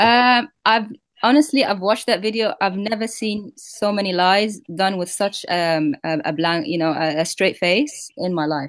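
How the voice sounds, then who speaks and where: Against a quiet background, a woman with an Arabic accent speaks at a moderate pace with lively intonation and hardly any pauses. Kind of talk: live stream discussion. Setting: online call. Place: home room.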